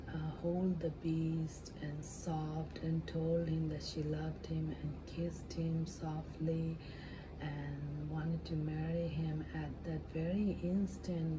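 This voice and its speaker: A woman doing soft-spoken ASMR storytelling, retelling a fairy tale in a gentle, halting, hushed voice that at times slips into a whisper. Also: on the low side. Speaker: ASMR storyteller, channel host. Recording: clear steady background noise.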